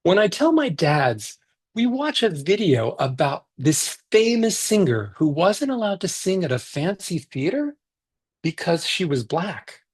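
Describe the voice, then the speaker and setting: A man, a children's author, reading his picture book aloud in a lively, expressive way over a video call. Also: fairly high pitch, slightly rough.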